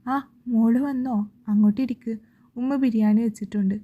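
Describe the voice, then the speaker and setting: A woman voicing a weary, tender older mother who speaks softly and slowly, on a dull lo-fi recording. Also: a little high, steady tone, natural voice. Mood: sorrowful.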